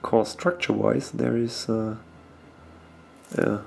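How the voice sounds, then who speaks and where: A young man with a German accent, a native German speaker, talking casually and hesitantly while he paints miniatures at his desk, often pausing to search for words. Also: medium pitch, fairly even intonation, creaky, darkish tone, slight background noise. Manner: slow, hesitant, searching for words with many ums.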